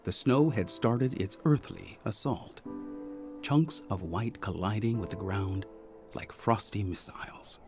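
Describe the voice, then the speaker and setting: A man's voice: on the low side, measured pace, music in the background. A man narrating a scripted audio drama as an arch, dramatic storyteller.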